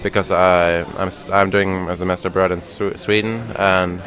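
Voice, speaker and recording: A man's voice: low-pitched, normal speed. A young man in his twenties with a German accent, a student talking casually outdoors. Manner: relaxed, casual with "like" and "yeah".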